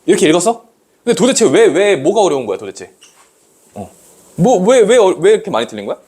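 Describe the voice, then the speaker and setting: A man's voice: high-pitched, big pitch swings, a little fast, a little mellow, breathy edge. A man teaching a classroom lecture, acting out rhythms with sound effects and checking often that students follow. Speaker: Korean language tutor. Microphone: recorded lecture.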